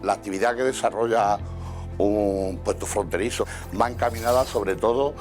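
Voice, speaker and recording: A male official giving a formal, technical explanation in an interview, somewhat halting. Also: fairly low pitch, steady tone, darkish tone, faint music behind. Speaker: border control official.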